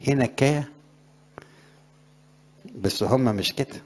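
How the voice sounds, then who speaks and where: A man's voice: medium pitch, slow. A middle-aged man, a priest with an Egyptian Arabic accent, giving a conversational sermon to young graduates and rising in emphasis on scripture verses.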